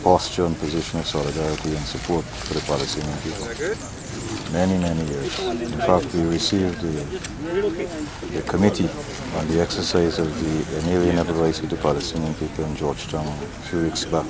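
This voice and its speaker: A man with a Guyanese accent, a government official answering interview questions outdoors in a measured, formal, diplomatic way. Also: rumbling low, steady tone. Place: outdoors in botanic gardens. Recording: outdoor field recording with loud crowd. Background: loud crowd.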